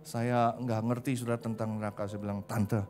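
A man's voice: medium pitch, little pitch movement, brisk, darkish tone, a little hiss or hum. A male pastor preaching a sermon emphatically, calling out to the congregation again and again and dropping in English phrases. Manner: emphatic, repeatedly addresses the congregation.

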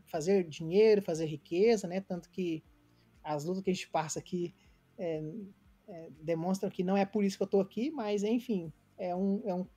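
Mellow-voiced Brazilian man in his late thirties. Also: high voice. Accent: Brazilian Portuguese. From Brazil (Goiânia). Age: late 30s. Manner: earnest, reflective, many fillers and restarts. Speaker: interview guest. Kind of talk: casual remote interview, storytelling.

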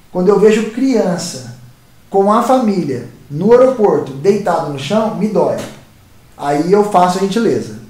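A YouTube channel host with a Brazilian Portuguese accent tells stories in a rambling, casual monologue, often repeating and restarting words. His voice is high and warm, and the sound is roomy and echoey.

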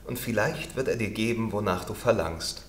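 A man's voice: lowish voice, moderate pace, reverberant, close to an everyday voice. A man doing a proud white rose bush.

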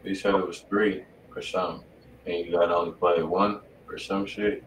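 A low-voiced man runs a live music review stream, talking loose and slangy. He sounds set back from the mic in a roomy home studio, with a faint hiss underneath. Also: level tone, moderate pace. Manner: laid-back street slang, loose and conversational. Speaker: radio stream host reviewing submitted music. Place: home studio room at a desk. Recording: roomy and distant with faint noise.

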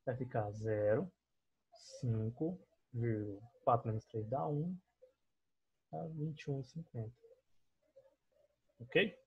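A man's voice: mid-range voice, slow pace, pauses often, dark tone, breathy edge, lo-fi sound. A young Brazilian man teaching a math class over a screen recording, explaining each step patiently and often checking in with his students. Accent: Brazilian Portuguese. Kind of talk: online math class explaining on a digital board.

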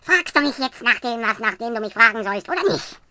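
A woman's voice: on the high side, animated, brisk, sharp tone, dry recording. A woman voicing a tiny, self-important male elf with a testy, pedantic, teasing manner in a fantasy audio story.

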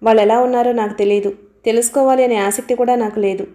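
Woman reading lovestruck young man, earnest, pleading, mellow, fairly high. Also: fairly even intonation, fast, lightly acted. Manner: eager, devoted, pleading.

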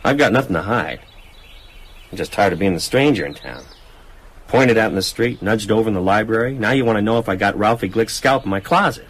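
Low-voiced, guarded novelist. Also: male voice, expressive, brisk, breathy edge, low-quality recording. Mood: prickly, defensive. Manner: guarded, wry, curt. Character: guarded, prickly male novelist, stranger in town. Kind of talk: radio drama acting.

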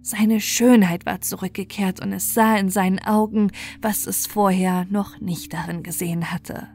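Bedtime storyteller: woman, medium-pitched, scripted fairy-tale narration over music. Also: steady tone, normal speed, a little mellow.

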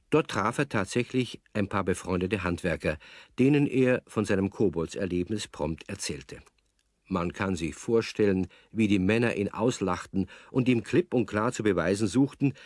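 Male narrator, radio play storytelling, scripted, slightly low pitch, dry studio sound. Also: dry recording.

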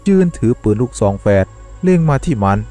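A man narrating a dramatic horror story in a measured, suspenseful way. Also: medium pitch, expressive, dark tone. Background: faint music.

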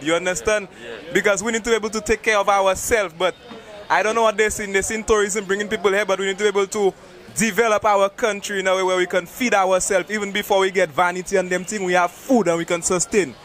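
A young man talks fast and loose, full of casual slang. His voice is high and bright. He speaks into a handheld mic on an outdoor street. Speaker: street interviewee.

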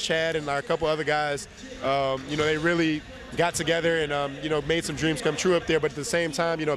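A young man speaking as an interview guest in an empty indoor arena, slightly nasal from a cold, easygoing and rambling into a handheld mic. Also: a little high. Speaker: interview guest, basketball player. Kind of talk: casual interview chat.

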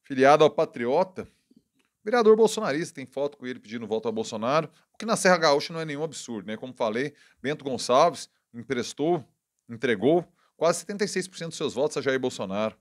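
A man hosts a channel of casual political talk, his Brazilian Portuguese accent carried by a mid-range voice with lively intonation. He comes across as wry and indignant and corrects himself quickly.

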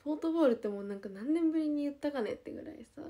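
A young woman with a Nagoya accent, chatting casually with viewers on a livestream and letting her phrases trail off softly. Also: high voice, expressive, rapid-fire. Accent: Nagoya dialect. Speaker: idol livestreamer.

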